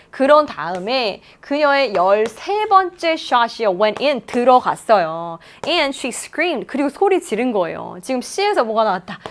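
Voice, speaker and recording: Woman teacher doing an exam lecture, highish voice, super animated ups and downs, slow english reading then quick explaining. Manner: lively, reads English lines slowly then explains in Korean.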